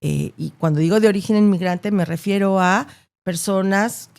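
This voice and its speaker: Latin American woman with a creaky voice. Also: medium pitch, moderate pace, darkish tone. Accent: Latin American Spanish. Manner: articulate, emphatic, builds points with repetition and rhetorical tags. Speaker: interview guest, journalist. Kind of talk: conversational interview, explaining opinions.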